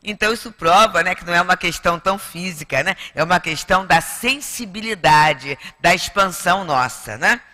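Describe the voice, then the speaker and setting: A woman's voice: fairly low pitch, lively intonation, fairly quick, few pauses, sharp tone, big-room sound. A woman with a Brazilian Portuguese accent giving a spiritist lecture to an audience in a chatty way, with many tag questions. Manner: conversational, with frequent tag questions. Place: spiritist center lecture hall.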